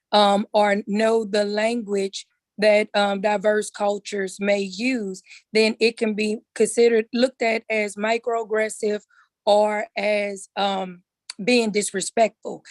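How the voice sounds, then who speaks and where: A hoarse woman with a naturally raspy voice, speaking earnestly as a council member on a video call from her living room, with many fillers. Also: medium pitch, no room sound. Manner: earnest, measured, with frequent fillers. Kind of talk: virtual meeting comment. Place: living room with high ceiling at home.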